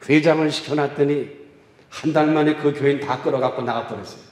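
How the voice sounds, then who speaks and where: A male pastor preaching a revival sermon and telling a story, swinging from loud exclaiming to quiet confiding. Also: on the high side. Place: church sanctuary. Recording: echoey church hall.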